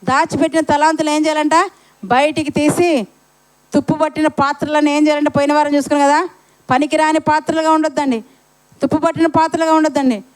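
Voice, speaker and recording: A woman's voice: high-pitched, flat delivery, fast, a little mellow. A woman preaching a Sunday sermon at a church service, asking the congregation rhetorical questions and repeating key phrases for emphasis.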